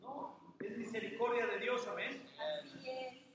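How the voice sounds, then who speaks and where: A raised, projected voice with a bright, sharp tone moves at a very slow pace amid audible room echo. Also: man. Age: 50s. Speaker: pastor. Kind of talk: sermon.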